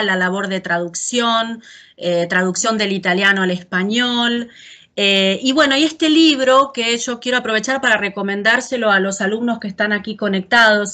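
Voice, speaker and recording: A woman's voice: mid-range voice, sharp tone. A woman, a university lecturer, hosting a video-call interview, introducing her guest and asking questions with articulate enthusiasm. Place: home room. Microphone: video call webcam.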